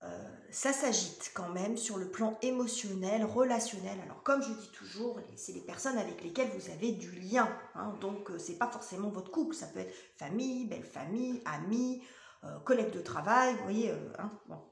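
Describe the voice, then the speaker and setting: A woman's voice: mid-range voice, normal speed, gravelly. Hesitant woman reading tarot, roomy echo. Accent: French. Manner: hesitant, many fillers and restarts. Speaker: tarot reader.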